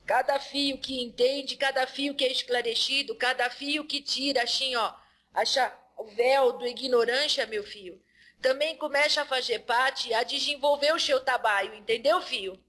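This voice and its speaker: A woman medium voicing the male spirit Exu, who talks slowly with a folksy drawl and laughs between phrases. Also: high-pitched, fairly bright tone. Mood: earthy, chuckling. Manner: drawling, folksy speech, calls listener "filho". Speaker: medium channeling an entity.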